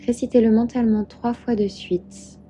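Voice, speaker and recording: A woman guiding a meditation as a yoga instructor, calm and soothing, giving measured instructions. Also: on the high side. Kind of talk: guided meditation narration. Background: soft background music.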